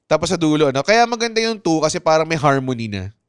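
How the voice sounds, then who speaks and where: A man's voice: fairly high pitch, big pitch swings, fast talker, clean tone, no echo, clean studio sound. A man, co-hosting a podcast in casual comedic chat, crude and joking, often quoting movie lines. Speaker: podcast co-host.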